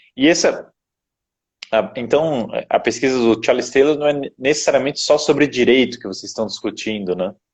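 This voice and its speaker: At a moderate pace, a man speaks at a medium pitch with ordinary pitch variation and long, frequent pauses. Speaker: live stream host. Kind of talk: live stream interview.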